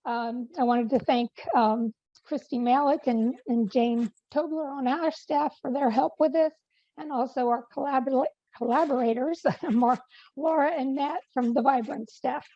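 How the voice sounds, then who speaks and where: A woman's voice: high voice, fairly even intonation, measured pace, dark tone, no room sound, muffled recording. A woman giving a policy update on a video call, losing her voice, with many fillers and restarts. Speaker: policy presenter. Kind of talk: online meeting update.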